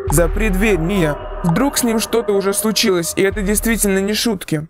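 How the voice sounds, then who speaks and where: A woman's voice: medium pitch, moderate pace, over music, pitched below the performer's own voice, lightly acted. A woman voicing a sceptical but concerned young man in a horror text-message story. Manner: questioning, mildly exasperated.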